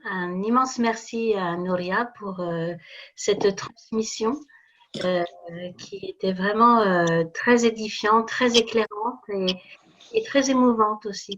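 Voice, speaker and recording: Measured woman moderator, muffled line. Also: mid-range voice, fairly bright tone. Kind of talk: hosting an online question session.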